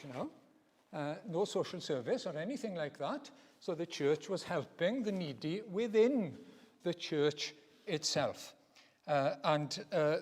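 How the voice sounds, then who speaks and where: A man preaching a teaching sermon in a church, expressive and repeating phrases for emphasis. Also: fairly high pitch. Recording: reverberant church hall.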